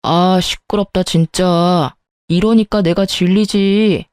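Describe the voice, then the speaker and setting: A woman's voice: fairly low pitch, steady tone, slow pace, a little mellow, clear, resonant tone, no room sound, studio quality. A woman voicing a scornful, irritable husband. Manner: curt, scornful retorts. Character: dismissive, irritable husband, adult man. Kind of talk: scripted story narration.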